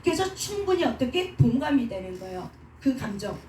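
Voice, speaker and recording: Woman pastor, mellow voice, preaching style, rhetorical questions, recorded far off in an echoey room. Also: fairly high pitch, sing-song, a little fast. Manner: asks rhetorical questions and answers them, acts out quoted speech. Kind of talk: sermon teaching. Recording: roomy sound from a distance with faint noise.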